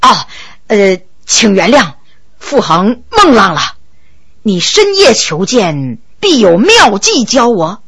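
A woman voicing a proud, quick-tempered high-ranking male minister with a commanding way of talking. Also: big pitch swings, sharp tone, heavily acted. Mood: humble. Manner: commanding, booming laughs.

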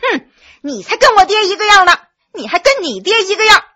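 A woman storyteller voicing an aggrieved, hot-tempered young boy who shouts defiantly through sobs. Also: very high-pitched, big pitch swings, moderate pace, voice pushed up, full character voice.

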